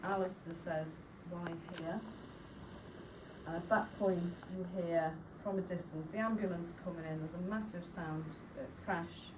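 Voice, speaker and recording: Low-voiced woman, far from the mic. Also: steady tone, unhurried. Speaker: writing workshop participant reading out a script. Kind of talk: informal read-through of a draft radio drama. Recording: distant mic in a noisy room.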